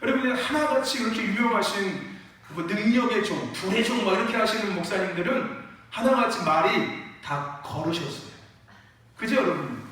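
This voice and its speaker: Animated preaching man in echoing sanctuary. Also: high-pitched, normal speed, a little hiss or hum. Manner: animated preaching, rising to shouts, calls for amens. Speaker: pastor. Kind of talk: sermon. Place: church sanctuary. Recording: echoey church hall from far off.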